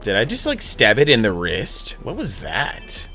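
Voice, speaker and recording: A man streams a video game and talks through it in a playful, sarcastic way, swearing now and then. His voice sits on the low side but sounds bright and sharp. It jumps around with lively pitch, with faint game music underneath. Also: measured pace. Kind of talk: live gameplay commentary.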